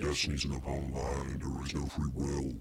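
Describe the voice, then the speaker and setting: A man puts on a raspy character voice with a very deep, low pitch. He talks at a fairly quick pace in a monotone, flat intonation. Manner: grand, pompous, dramatic.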